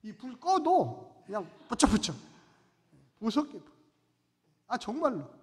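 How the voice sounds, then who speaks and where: A man preaching a sermon as pastor, emphatic, repeating rhetorical questions and swinging between loud and soft delivery. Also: very high voice, very animated, a little slow. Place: church sanctuary. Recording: long church reverb.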